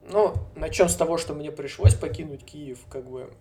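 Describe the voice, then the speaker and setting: A young man from Novosibirsk, a guest in a casual conversation, who talks in a relaxed, hedging way and chuckles often. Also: fairly high pitch, normal speed, crowd noise. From Novosibirsk, Siberia, Russia.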